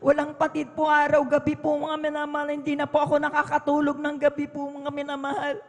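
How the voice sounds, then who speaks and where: A woman's voice: high voice, completely flat delivery, brisk. A middle-aged woman giving a personal testimony at a prayer service, earnest and polite, calling the congregation beloved every few words. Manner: polite and deferential, adds respect particles throughout. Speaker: church member giving testimony. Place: church hall during overnight prayer. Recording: reverberant church hall.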